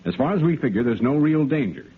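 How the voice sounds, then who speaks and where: An actor playing a crisp, explanatory army intelligence lieutenant in a 1950s radio drama. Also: male voice, mid-range voice, big pitch swings, quick pace. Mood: brisk. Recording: tinny 1950s radio broadcast.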